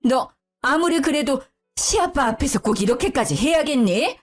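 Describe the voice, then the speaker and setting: A woman voicing a sharp-tongued older mother-in-law who speaks in a high, nagging tone. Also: expressive, moderate pace, faint music behind. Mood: scornful. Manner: shrill, nagging, wailing when begging.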